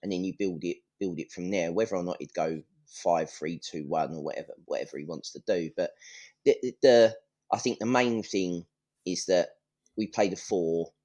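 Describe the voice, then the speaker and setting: A man's voice: low-pitched, moderate pace, mellow. A man talks football in a casual, ranting way. He is blunt and swears freely, like a supporter having his say on a fan podcast.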